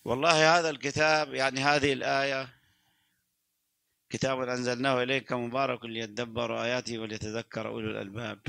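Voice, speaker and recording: A man's voice: mid-range voice, level tone, quick pace, gravelly, pushed and bright, clean tone, no room sound. An older man and Quran reciter giving a religious talk, reciting verses, fervent and stumbling into restarts. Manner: fervent, many restarts and stammers.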